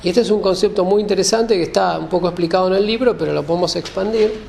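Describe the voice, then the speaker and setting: High-pitched, creaky-voiced man lecturing. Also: fast, darkish tone, slight background noise. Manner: didactic, rephrases and checks understanding. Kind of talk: explanatory lecture to an audience.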